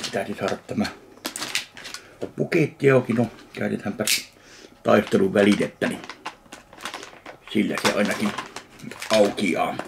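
A middle-aged man from Finland giving casual food tasting commentary to camera in a home kitchen, talking in an unhurried way with pauses as he eats. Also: fairly low pitch. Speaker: food review vlogger. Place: small home kitchen, indoors. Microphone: camera a short distance away. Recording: clear background noise, handling clicks.

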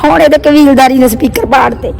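A young woman chatting casually for a vlog, teasing and complaining through a hoarse, strained sore throat. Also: high-pitched, fairly quick, a crowd in the background, rough recording. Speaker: family vlogger. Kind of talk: casual vlog banter with partner.

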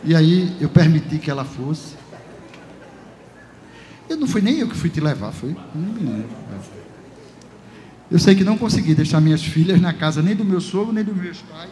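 A man with a Brazilian Portuguese accent, a pastor giving a lively personal testimony in a large church, acting out conversations as he goes. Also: fairly high pitch, normal speed, long pauses. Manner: lively storytelling, acts out dialogue, chuckles often. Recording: reverberant church hall, faint ambience.

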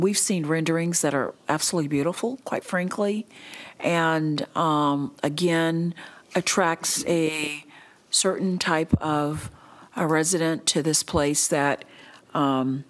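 A woman council member giving her view in a meeting, talking deliberately with pauses at a desk microphone in a council chamber. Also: deep voice. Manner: deliberate with hesitations. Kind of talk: speaking in council discussion.

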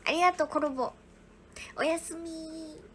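High-voiced young woman, soft and whispery. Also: steady tone, normal speed. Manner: soft, often whispery, thanking viewers one by one. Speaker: livestream host. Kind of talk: casual livestream chat reading viewer gifts.

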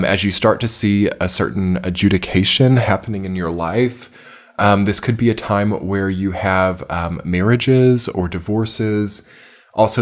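A man with a very deep voice talks through a monthly astrology forecast in a loose, rambling way. His voice is a little scratchy from a winter cold, and he often pauses with ums and uhs. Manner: rambling, filler-heavy, reflective. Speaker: astrology reader. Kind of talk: casual monthly forecast talk.

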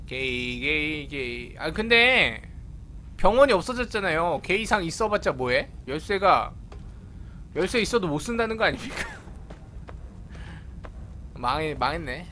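A man with a voice that sits high comments on a horror game he's playing, greeting and chatting with his viewers as a streamer. He's excitable, letting out yelps and shouts at sudden attacks. Slight background noise is present.

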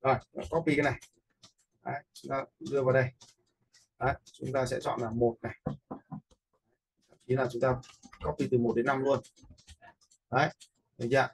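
A man giving a casual, step-by-step software tutorial, informally checking in with listeners as he goes. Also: medium pitch, level tone, normal speed, gravelly, long pauses, husky, rough recording. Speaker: video editing instructor. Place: indoors, voice-over for a screen recording.

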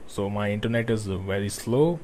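A young man who is not a native English speaker, talking through a computer tutorial with grammar slips and frequent pauses. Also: lowish voice, a little mellow, slight background noise. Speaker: tech tutorial host. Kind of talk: screen-recorded tutorial.

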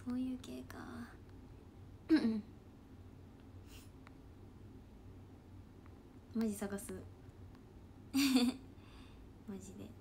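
Woman, Kansai accent, somewhat high voice; drowsy, chatty late-night stream host, rambling and giggly, close mic. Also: extremely slow, gravelly, long pauses, mellow, a little hiss or hum. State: sleepy. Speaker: idol trainee livestreaming. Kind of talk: casual late-night livestream chat reading comments.

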